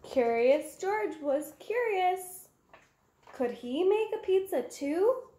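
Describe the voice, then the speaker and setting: A woman's voice: very high-pitched, very animated, takes it slowly, warm tone. A woman in her twenties reading a children's picture book aloud expressively, in simple phrases for young listeners. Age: 20s. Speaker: read-aloud storyteller. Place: small room at home, indoors. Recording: roomy home recording.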